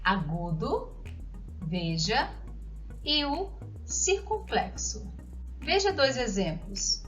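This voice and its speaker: A woman with a fairly high, slightly bright voice swings widely in pitch as she teaches children a grammar lesson. She goes slowly and deliberately, spelling out example words and asking questions. The lo-fi audio sounds dull, with faint music underneath.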